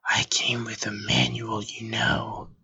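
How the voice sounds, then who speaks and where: Breathy, gravelly talking gadget played by a woman. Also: a bass voice, little pitch movement, slow pace, sharp tone, recorded from a distance, lo-fi sound, heavily acted. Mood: dry, cautious. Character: talking remote, dry hesitant sidekick to a villain. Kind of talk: amateur audio drama acting.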